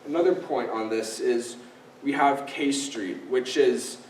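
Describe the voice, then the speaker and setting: A man's voice: medium pitch, a little slow. Teenage man lecturing in an echoey room. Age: late teens. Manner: explanatory, casual fillers, signposting. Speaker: guest speaker. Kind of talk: informal talk with explanations. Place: library event room. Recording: echoey room, distant mic, faint noise.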